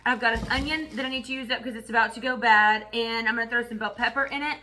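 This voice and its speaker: A middle-aged woman who has lost her voice, chatting casually and hoarsely for a cooking vlog in her home kitchen. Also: fairly high pitch, fairly even intonation, fast, bright, forceful tone, a little hiss or hum.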